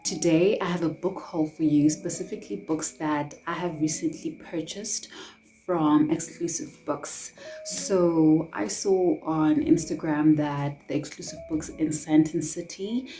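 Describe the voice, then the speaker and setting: South African woman booktuber, low mellow voice, rambling casual chat, faint music behind. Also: fairly even intonation, a little slow, poor audio. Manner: chatty, rambling, with frequent ums and restarts.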